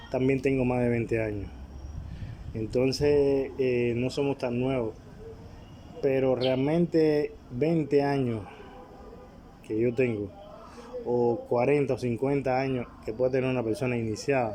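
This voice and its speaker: A man speaks with a medium pitch and fairly even intonation. He pauses long and often, and room echo is audible. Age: 40s. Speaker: Ifa priest. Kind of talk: informal lecture. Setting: temple.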